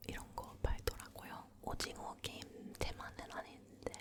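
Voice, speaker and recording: A woman leaning in to whisper close to the mic, telling personal stories in a hushed ASMR style, gently repeating words. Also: moderate pace. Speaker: ASMR host.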